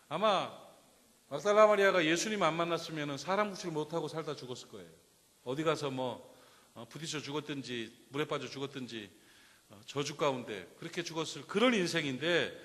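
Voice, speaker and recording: Pastor preaching in a reverberant church. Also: male voice, high-pitched, a bit bright. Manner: storytelling, asks the congregation questions and acts out wailing. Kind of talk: Sunday sermon. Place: church sanctuary.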